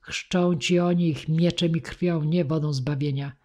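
A woman reading the part of a young, impassioned male knight in an audiobook, husky-voiced. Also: low voice, fairly even intonation, measured pace, mellow. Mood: earnest.

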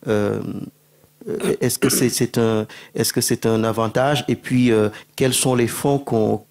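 A man moderates a panel discussion on stage with a handheld mic. His pitch stays flat and level, and he speaks haltingly, restarting words while framing questions. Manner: halting, stammering restarts, frequent backchannel. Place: indoor stage at a public panel.

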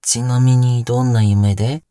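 A man's voice: medium pitch, level tone, dark tone, smooth, no echo, studio quality, natural voice. A man playing a cheerful, devoted young AI companion in an audio drama, speaking politely with a teasing streak. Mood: polite, helpful. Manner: polite, teasing, drawn-out calls. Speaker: voice actor. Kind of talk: Japanese audio drama acting.

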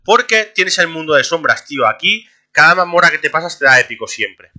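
A young man, streaming a game and talking to his chat in a casual, excitable way, laughing often. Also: on the high side, a little fast. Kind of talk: casual gameplay commentary.

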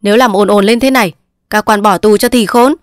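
Voiced by a female narrator, this fussy, officious court clerk starts out lecturing and later becomes courteous and helpful. The tone is scolding, delivered in a natural, medium-pitched voice over a dry, close recording free of echo.

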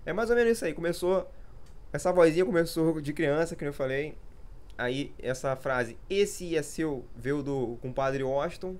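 A man's voice: on the high side, normal speed, a little mellow, clean tone. A man in his thirties chatting casually in a vlog, rambling and losing his train of thought, poking fun at himself. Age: 30s. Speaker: gaming youtuber.

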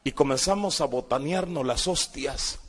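A man's voice: mid-range voice, normal speed, fairly bright tone, husky. A man in his sixties with a Guatemalan accent, giving a personal testimony as a dramatic storyteller who acts out the voices of people in his past. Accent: Guatemalan Spanish. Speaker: former guerrilla giving testimony.

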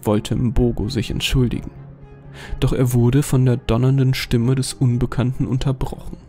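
A man narrating a scripted horror story in a measured, steady way. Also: medium pitch. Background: faint music.

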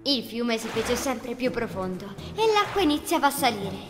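A woman's voice: a little high, big pitch swings, moderate pace. A woman narrating a scripted children's fairy tale as storyteller. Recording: long reverb, music underneath. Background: music.

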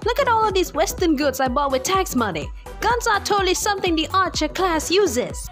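Woman voicing high, expressive anime heroine. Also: brisk, faint music behind, heavily acted. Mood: playful. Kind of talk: amateur comic dub voice acting.

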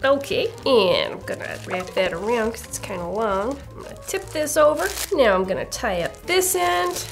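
A woman's voice: a little high, animated, moderate pace, vocal fry. A young woman hosting a children's craft tutorial, bubbly and playful with jokey asides. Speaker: kids' craft show host.

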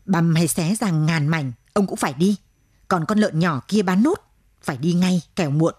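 A sharp-tongued older village mother from a radio storybook, scolding and lamenting in a low, mellow voice, as a woman narrator takes her part. The tone is slightly husky and dry. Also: moderate pace, no room sound.

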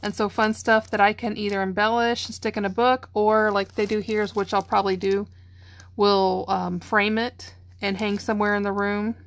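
A woman's voice: mid-range voice, flat delivery, normal speed. A middle-aged woman, tired and chatty, gushing over craft supplies in a casual vlog. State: tired, yawning. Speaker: craft channel host. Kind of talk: casual show-and-tell vlog.

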